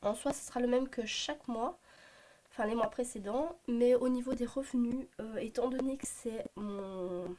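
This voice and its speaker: A woman in her thirties with a Belgian French accent, hoarse from a cold, chatting to camera about her family budget with many hesitant fillers. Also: a little high, moderate pace, dark tone. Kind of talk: casual talk to camera. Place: home at a desk, morning.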